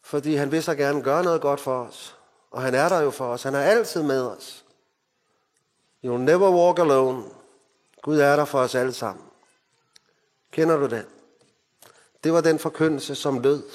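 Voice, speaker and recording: A man from Denmark preaching a sermon, moving between emphatic lines and hushed, solemn ones. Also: a little high. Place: mission hall. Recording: hall reverb.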